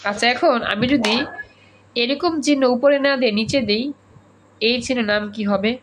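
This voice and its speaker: A man's voice: extremely high pitch, normal speed, fairly bright tone, slight background noise. A male teacher, teaching an online class over a video call and drilling students with repeated questions and examples. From Bangladesh.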